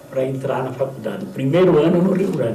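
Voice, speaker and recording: Audible room echo and noticeable background noise accompany this man's voice. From Brazil, interior São Paulo state (Angatuba). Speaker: radio announcer. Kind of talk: testimony.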